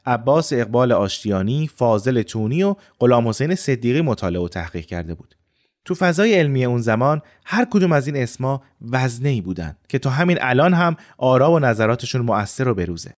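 A man narrating a reflective first-person story in a scripted style. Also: mid-range voice. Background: faint music.

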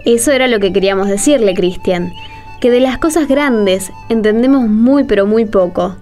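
A woman's voice: medium pitch, normal speed, dark tone, soft background music, lightly acted. An actress with an Argentine accent playing an earnest, plain-spoken woman in a radio drama.

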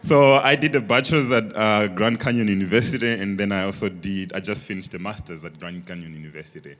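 Malawian-accented young man, low voice. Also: fast, a bit bright. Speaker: church member guest. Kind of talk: onstage interview. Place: large church auditorium, on stage. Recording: reverberant church hall.

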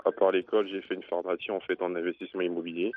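A man's voice: low-pitched, little pitch movement, rapid-fire, dry recording. A man in his twenties calling in over the phone, asking his question hesitantly with many fillers. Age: 20s. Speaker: caller. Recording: tinny, dry phone line.

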